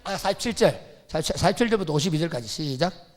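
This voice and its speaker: A man's voice: fairly high pitch, lively intonation, fast. A male pastor preaching a sermon at a church service, emphatic and full of rhetorical questions.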